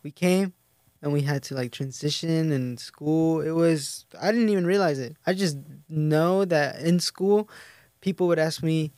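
A man's voice: on the high side, a little slow, dry recording. A young man from Mexico, a native Spanish speaker, talking casually and hesitantly with lots of fillers. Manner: hesitant, filler-heavy, soft-spoken. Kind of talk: casual chat.

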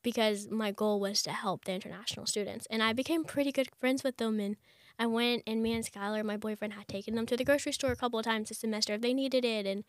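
A young woman, a chatty interview guest who talks fast with lots of fillers. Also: fairly high pitch, steady tone, no room sound. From United States. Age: young adult. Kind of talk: conversational interview.

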